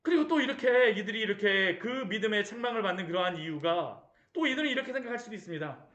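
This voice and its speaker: Male pastor, lively high voice, roomy church echo, rhetorical sermon style. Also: fast talker, muffled recording. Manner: rhetorical questions, acts out the disciples' cries.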